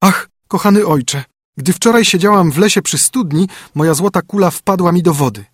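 A spoiled young fairy-tale princess, high-pitched and whiny, who talks in breathless bursts, as a man puts her on. The tone is husky and pushed louder than the narration. The sound is dry and close. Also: normal speed, dry recording. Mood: fretful.

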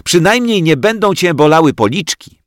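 A man voicing a bossy, matter-of-fact little kindergarten girl in a high voice. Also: animated, moderate pace, no echo, clean studio sound, lightly acted.

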